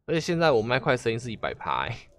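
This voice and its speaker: A man's voice: mid-range voice, wildly swooping pitch, quick pace. A man with a Taiwanese Mandarin accent chatting casually on a live game stream, asking viewers questions and often trailing off and restarting.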